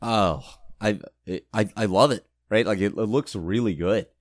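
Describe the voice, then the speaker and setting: A hoarse man co-hosting a casual podcast, halting and repeating words as he thinks aloud. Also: on the low side, dry recording, studio quality. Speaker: podcast co-host.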